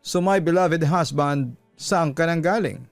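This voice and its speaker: A man's voice: on the high side, measured pace, no room sound, voice pushed up. A man with a Filipino accent voicing a jealous, sarcastic wife who questions her husband pointedly in a radio drama. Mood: sarcastic, suspicious. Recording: music bed behind close dry voice.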